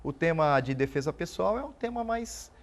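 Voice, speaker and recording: Gravelly Brazilian police officer guest. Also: male voice, on the high side, animated. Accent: Brazilian Portuguese. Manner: earnest, halting, repeats words while thinking. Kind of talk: TV interview answers.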